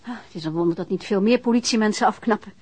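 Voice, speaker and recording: A woman playing a lively, affectionate companion of a policeman in a radio drama. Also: mid-range voice, fast, breathy edge, no room sound, lightly acted. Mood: doubtful. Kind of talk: naturalistic radio drama acting.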